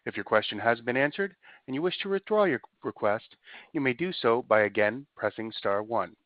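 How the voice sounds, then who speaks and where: A man with a mid-pitched voice works as a conference call operator. He delivers scripted instructions formally and procedurally. The sound is dry and squeezed through a phone line. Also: animated, moderate pace, no room sound.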